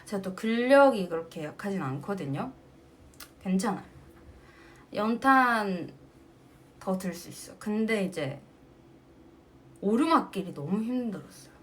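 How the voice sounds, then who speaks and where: A woman chats casually with her fans over a livestream, her pitch swinging widely as she tells stories. She laughs often between phrases and keeps an easy, animated way of talking. The sound comes through a phone mic. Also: unhurried, long pauses. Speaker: singer hosting a fan livestream.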